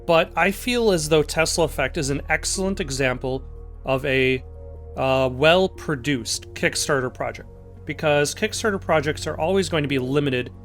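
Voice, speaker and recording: Casting: male gameplay commentator, lighter raised pitch, unscripted and halting, chatting through his thoughts over music. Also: fairly bright tone. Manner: halting, thinking aloud. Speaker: let's play host. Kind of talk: casual, improvised gameplay commentary.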